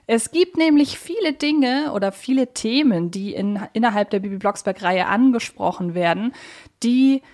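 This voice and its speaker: A woman's voice: fairly high pitch, expressive, normal speed, a little mellow. Chatty woman hosting a podcast. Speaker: podcast host. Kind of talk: conversational podcast moderation.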